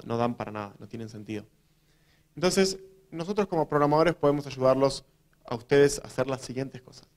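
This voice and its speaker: Fast-talking Argentine man giving a talk. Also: mid-range voice. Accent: Argentine Spanish. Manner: explanatory, conversational, many fillers and restarts. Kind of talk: conference talk to journalists. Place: university event hall.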